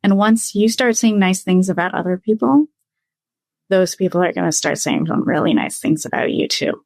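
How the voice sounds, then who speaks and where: Measured woman professor as guest. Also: lowish voice, a little mellow, dry recording, poor audio. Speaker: guest, business school professor. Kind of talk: casual interview talk.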